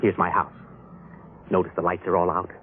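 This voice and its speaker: An actor playing a meek henpecked husband who is now smugly secretive, prim and confiding, in 1950s radio drama style. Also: male voice, sits low, level tone, moderate pace, lightly acted. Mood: confiding, excited. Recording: noisy tinny old radio recording.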